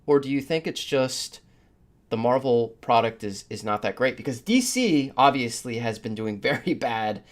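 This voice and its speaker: A man's voice: mid-range voice, lively intonation, normal speed. A man hosting a casual panel podcast, talking conversationally and laying out his points at length. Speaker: podcast host. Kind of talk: casual panel discussion of superhero films.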